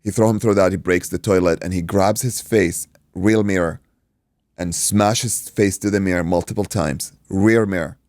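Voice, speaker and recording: A man from Iraq, a native Arabic speaker, telling an animated anecdote in casual podcast chat, acting out dialogue and swearing freely. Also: low-pitched, normal speed, no echo, studio quality. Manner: acts out dialogue, swears, says "dude". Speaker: podcast guest, martial arts coach and stunt performer.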